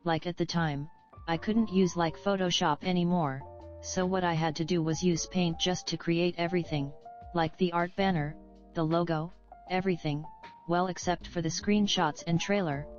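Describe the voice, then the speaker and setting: A woman, a fellow indie developer, chatting casually and softly. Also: fairly low pitch, steady tone, moderate pace, lo-fi sound, soft background music. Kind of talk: casual chat.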